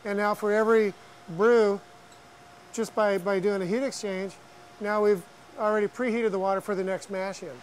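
High-voiced American man giving a tour. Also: steady tone, moderate pace, low-quality recording. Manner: practical, explanatory. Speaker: brewery staff giving a tour. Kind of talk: unscripted walk-through explanation. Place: on a walking tour around an industrial brewery, much of it outdoors.

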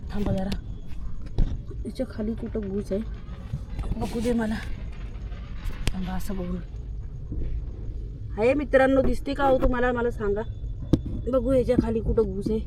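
A woman's voice: fairly high pitch, a little hiss or hum. A woman vlogging at night outdoors on a handheld phone, chatting to viewers and scolding and calling out to her dog. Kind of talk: casual vlog narration to viewers.

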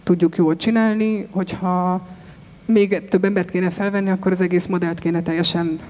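Woman farmer, 30s, panel guest, mellow tone, hesitant, echoey hall. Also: fairly low pitch. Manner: thoughtful, steady, many hesitations. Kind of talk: panel discussion answers. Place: large expo stage with sofas. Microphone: handheld mic. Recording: long hall reverb.

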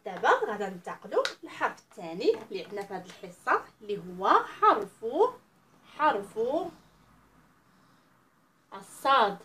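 Lively Moroccan woman teaching children letters. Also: medium pitch, distant mic, a little hiss or hum. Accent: Moroccan Arabic. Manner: loud drawn-out letter calls for children to repeat. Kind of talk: children's alphabet lesson.

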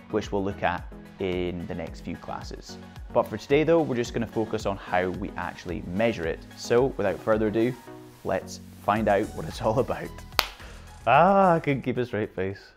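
A man teaching an online aviation lesson, explaining in a relaxed, conversational way with casual asides. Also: on the low side. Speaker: flight theory instructor.

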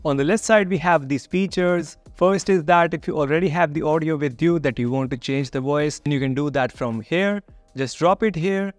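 A young man hosting a scripted software review to camera, upbeat and friendly, walking through each step plainly. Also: a little high, moderate pace, faint music behind. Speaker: tech reviewer, channel host. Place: dim home studio room, indoors.

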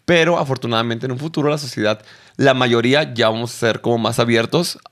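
A Mexican man talks fast, in a slangy and joking way. His voice sits at a middle pitch. He drops blunt one-liners into the chat. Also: a bit bright. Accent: Mexican Spanish. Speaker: host. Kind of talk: casual chat.

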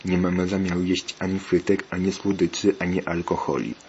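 A stubborn, sulky eight-year-old boy talks back, as a man reads him in a low, unchanged voice. The recording sounds muffled and lo-fi. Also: monotone, fairly quick, darkish tone, a little hiss or hum. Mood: defiant.

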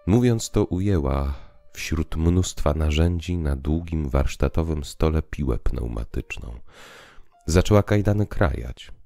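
A man narrates a literary work in a solemn, dramatic style. His voice is extremely low, creaky and slow. The delivery is measured. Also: expressive, no echo. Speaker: audiobook narrator. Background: quiet musical underscore.

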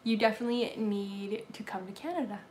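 Baking at home while live streaming, a young adult woman with a Southern accent chats through viewer comments at a brisk pace. Her medium-pitched voice is a little mellow, and the table-distance laptop or phone mic adds echoey kitchen sound plus a little hiss or hum.

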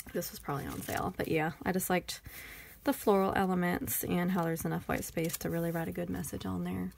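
Gravelly-voiced Texan woman, chatty. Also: on the low side, a little hiss or hum. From Texas. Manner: rambling, chatty, thinking aloud. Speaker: planner vlogger. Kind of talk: casual haul chat.

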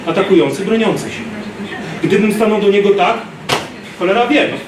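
Man, thirties, self-defense instructor, animated lecture, distant camera, roomy gym noise. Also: sits high, fairly quick. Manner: animated, gestures, acts out street scenes. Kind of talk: lecture to a class. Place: large gym hall, indoors. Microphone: far camera. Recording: roomy gym echo from far off.

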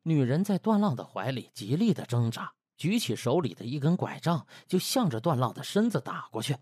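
Male comic audiobook narrator, theatrical and colloquial, highly varied pitch, husky edge, dry close recording. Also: big pitch swings, brisk, darkish tone, no echo. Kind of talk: dramatized storytelling of comic web novel.

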